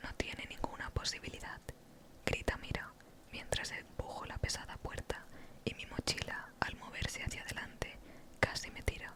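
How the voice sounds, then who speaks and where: Noticeable background noise can be heard. The whispering moves at a moderate pace. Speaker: ASMR creator. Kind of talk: read story. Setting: rain in the background. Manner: soft-spoken, whispered.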